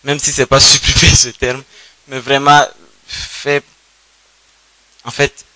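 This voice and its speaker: Bright, forceful West African man asking questions. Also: medium pitch, little pitch movement, slow, no echo, low-quality recording. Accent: West African French. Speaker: audience member asking questions at a panel. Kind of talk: spontaneous public question.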